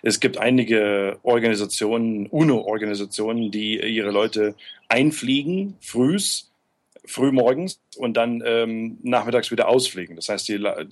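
A man's voice: lowish voice, a little slow. A man working for an aid group, answering interview questions casually, hesitant, with many fillers and restarts. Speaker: aid worker being interviewed.

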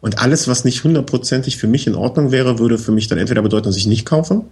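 A fast-talking man with a medium-pitched, slightly rough voice offers practical advice as a bicycle expert guest. The chat is casual; he explains step by step in a relaxed way, often tagging "ne?" and using fillers.

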